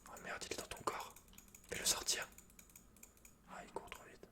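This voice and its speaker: A man whispering casual, slangy, sweary ASMR commentary while he plays a video game, in a breathy unvoiced whisper. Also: normal speed, pushed and bright. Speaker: host of an ASMR gaming channel. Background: computer keyboard clicks and typing.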